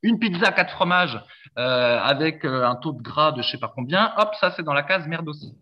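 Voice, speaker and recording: A man talking casually on a podcast in a slightly higher voice, rambling along and often stopping to restart his sentences. The recording sounds dull and lo-fi. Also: animated, moderate pace. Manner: rambling, frequent hesitations and restarts. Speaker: podcast co-host.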